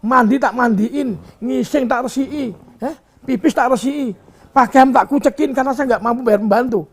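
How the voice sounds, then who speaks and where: A man's voice: very high voice, normal speed. An older man who owns a bus company, speaking in a candid interview and lecturing with rhetorical questions and a scolding tone. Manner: emphatic, preachy, scolding tone with many rhetorical questions.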